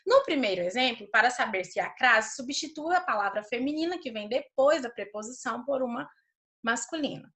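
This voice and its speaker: A woman teacher, giving a recorded grammar lesson to schoolchildren. She reads example sentences slowly and deliberately, stopping often to ask "certo?". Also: a little high, animated, fairly bright tone. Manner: checks understanding with "certo?".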